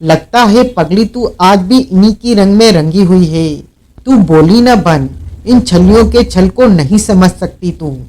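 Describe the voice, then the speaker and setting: A vengeful, hot-tempered outlaw man who snarls and shouts his threats, as an audiobook narrator puts him on. The voice sits high and moves slowly and heavily, every word pressed out with menace. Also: lively intonation. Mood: furious. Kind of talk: audiobook character reading.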